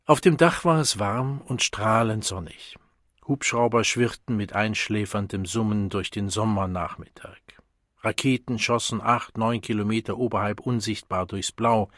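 A man with a husky voice narrating an audiobook in a measured reading manner. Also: on the low side, fairly even intonation, fairly bright tone, no echo, clean studio sound.

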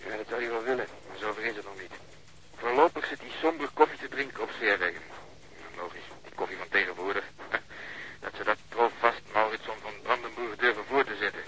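A man's voice: lowish voice, brisk, bright, forceful tone, slight background noise, low-quality recording. An actor playing a wisecracking policeman on surveillance in a radio drama, with a sardonic, joking manner. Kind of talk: naturalistic radio drama dialogue.

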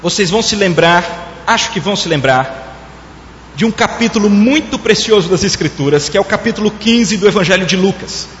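A man with a strikingly high voice preaches in a church hall, telling a story and speaking straight to his listeners. The long hall echo hangs on every phrase. The recording is dull and lo-fi, with a faint hiss underneath. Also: lively intonation, fairly quick, a bit bright. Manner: storytelling preacher who addresses the congregation directly. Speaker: pastor. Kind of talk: sermon. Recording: echoey hall, dull lo-fi sound.

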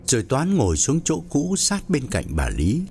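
A man narrating an audio story in a dramatic, expressive way. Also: medium pitch, normal speed, soft background music.

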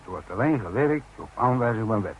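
A man playing a gruff, commanding work boss in a Dutch radio drama, blunt and impatient with backtalk. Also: on the low side, lively intonation, brisk, slight background noise, close to an everyday voice, low-quality recording. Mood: stern. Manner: blunt, authoritative.

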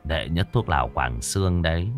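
A man playing a brisk, confident male exorcist who gives firm instructions. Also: very deep voice, animated, soft background music, pitched below the performer's own voice.

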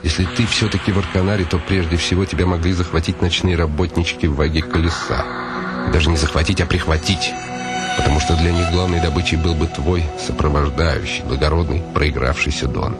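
A man's voice: sits low, fairly even intonation, a little fast, loud music behind the voice, natural voice. An actor voicing a weary, ironic nobleman's inner monologue in a radio play. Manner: brooding, dryly ironic musing.

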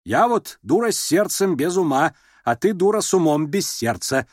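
A commanding noblewoman of middle years , voiced by a man reading an audiobook, snaps and scolds in a raised, lifted voice. Her speech swings widely in pitch, full of scorn. The sound is close and dry. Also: very animated, moderate pace, dry recording. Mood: scolding. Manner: haughty, scolding, abrupt. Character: imperious middle-aged noblewoman, irritable, sharp-tongued mother.

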